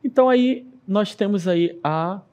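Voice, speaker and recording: Patient Brazilian man teaching slowly. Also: sits high, darkish tone. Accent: Brazilian Portuguese. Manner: patient, explains step by step, checks in with "ok?". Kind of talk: televised classroom lesson.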